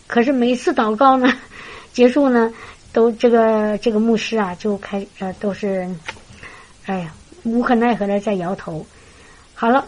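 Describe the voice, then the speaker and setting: A woman preaching through a lively story, chatty and full of fillers. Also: medium pitch, rough recording. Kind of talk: storytelling sermon.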